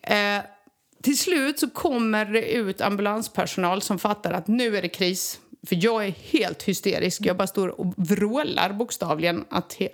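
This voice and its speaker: Swedish woman, casual talk, animated storyteller who acts out the quotes. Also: mid-range voice. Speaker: guest telling a personal story. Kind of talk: casual conversation.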